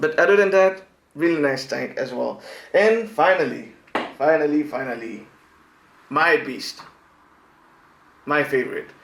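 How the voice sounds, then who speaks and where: A man speaks at a fairly slow pace with long, frequent pauses, his intonation lively and his pitch fairly high. Background noise is noticeable. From France. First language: French. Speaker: vape vlogger. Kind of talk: product review vlog. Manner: halting, many fillers.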